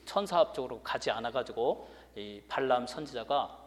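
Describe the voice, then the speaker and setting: A man's voice: mid-range voice, expressive, normal speed. A man preaching a sermon to his congregation, emphatic and leading them in reading scripture aloud. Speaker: pastor. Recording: long hall reverb.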